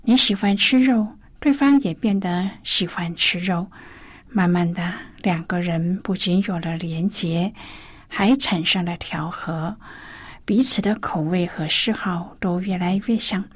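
A woman hosting a Christian radio devotional program, reading and preaching gently, often sliding into breathy, whispered phrases. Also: on the low side, unhurried.

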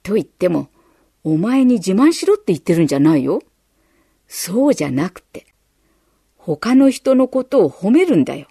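A woman voicing a kind, patient father gently advising his son in a children's story. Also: moderate pace, vocal fry, long pauses, breathy edge, dry recording, studio quality, exaggerated voice. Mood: encouraging. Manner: lowered calm fatherly tone.

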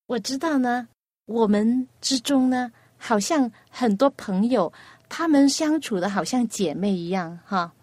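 A woman hosting a children's radio program, asking a young guest patient, coaxing questions and telling a gentle story. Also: fairly high pitch, animated, measured pace, no echo.

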